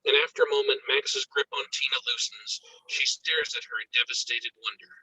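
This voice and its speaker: A man with a breathy voice reading screenplay stage directions as an intense, suspenseful narrator. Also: very high voice, huge pitch swings, brisk, pushed and bright, dry recording, poor audio. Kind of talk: dramatic scripted narration of screenplay action.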